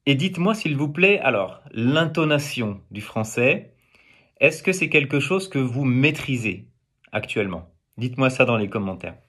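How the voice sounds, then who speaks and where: A man's voice: medium pitch, animated, moderate pace, a bit bright, slightly rough. A man from France teaching pronunciation in a video lesson, explaining patiently to viewers, with frequent hesitations. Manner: speaks to viewers with polite plural address.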